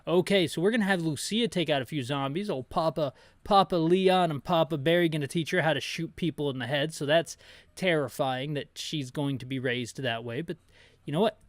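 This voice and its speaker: Chatty man narrating a game, slightly high voice. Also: fairly quick, no echo. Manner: rambling, jokey, chatty. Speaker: video game playthrough narrator. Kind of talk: casual descriptive commentary with asides.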